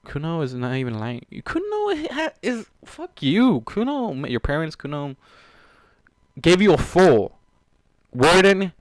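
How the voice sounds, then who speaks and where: A man with a slightly high voice and huge pitch swings unhurriedly reads fan fiction out loud, ranting in exasperation, cursing, and addressing the characters. The studio sound is clean, with no room sound.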